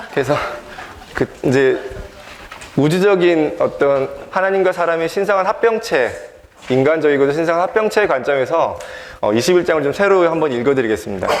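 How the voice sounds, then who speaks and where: Fairly quick delivery with lively intonation and very even loudness, broken by long, frequent pauses, plus audible room echo and noticeable background noise. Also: man, high pitch for a man. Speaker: Bible seminar teacher. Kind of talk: Bible study lecture with outline reading.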